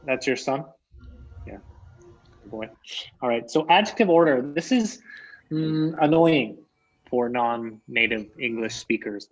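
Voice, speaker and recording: A man from Canada teaches English over a video call, calmly repeating each example so the class can follow. His voice sits in a middle register. The audio is muffled and lo-fi. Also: mid-range voice. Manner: patient, repeats key phrases. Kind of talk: online English lesson.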